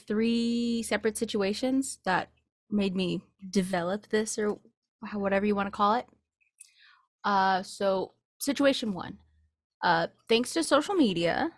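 Podcast co-host: American woman, late twenties, casual anecdotal delivery, mid-pitched, close and dry. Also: no room sound. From California, United States. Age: late 20s. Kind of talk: casual chat, personal anecdotes. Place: small indoor home recording setup. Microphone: close studio mic with pop filter.

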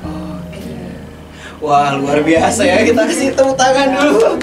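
A man's voice: high-pitched, big pitch swings, a little slow. A man, hosting an interview podcast. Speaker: podcast host. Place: small padded indoor podcast studio. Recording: roomy studio, distant mic, music behind.

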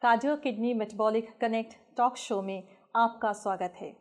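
A woman's voice: a little high, fairly even intonation, moderate pace. Young female TV anchor, formal. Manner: formal, asks questions. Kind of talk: scripted show hosting. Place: TV studio set.

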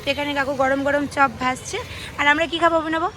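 A woman's voice: sits high, fairly even intonation, quick pace, pushed and bright, a little hiss or hum. A young woman vlogger chatting casually and directly to her viewers. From West Bengal, India. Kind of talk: casual vlog chat to viewers.

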